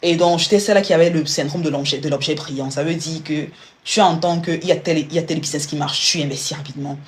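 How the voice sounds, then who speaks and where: A woman's voice: sits low, fairly even intonation, fast, slight background noise. A woman coaching viewers on personal finance during a live stream, speaking informally and directly to the listener, often restarting and repeating words. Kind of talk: live-stream money advice.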